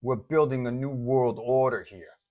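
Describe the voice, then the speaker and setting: A cold supervillain henchman, played by a male narrator, speaks with slow menace and fixed purpose. He sounds like a comic-book enforcer delivering threats in an audio story. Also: medium pitch, darkish tone, highs cut off, close to an everyday voice. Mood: cold, threatening. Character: menacing electric-powered villain minion, cold and purposeful.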